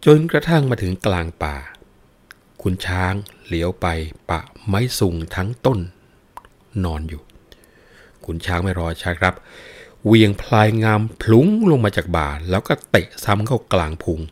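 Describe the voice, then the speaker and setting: A man with a fairly low voice narrates an old folk tale. He tells it in a lively, dramatic way, leaning on the key moments. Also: normal speed. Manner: breaks into chanted verse recitation. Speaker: storyteller. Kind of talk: retelling a classic folk tale.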